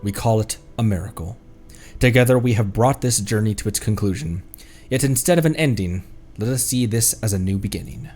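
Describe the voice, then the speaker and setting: A streamer giving casual, excitable live commentary on a game, exclaiming and often repeating phrases. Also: medium pitch, fairly quick. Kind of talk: casual gameplay livestream commentary. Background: video game music.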